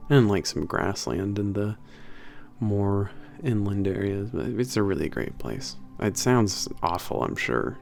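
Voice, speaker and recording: A man plays a laid-back young werewolf trainer at a spaceport, using a deep, fry-heavy voice that's a little gruff. He's halting and informal, mumbling and trailing off like an intimate ASMR roleplay, animated yet relaxed and nostalgic. Soft music plays in the background.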